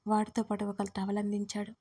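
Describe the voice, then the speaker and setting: A woman storyteller reading a scripted drama with calm, measured narration. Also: mid-range voice, husky.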